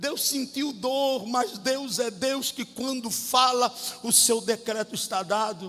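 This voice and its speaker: A man raises and projects his voice at an extremely high pitch. He speaks very slowly. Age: 50s. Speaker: missionary pastor. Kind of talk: sermon. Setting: church service.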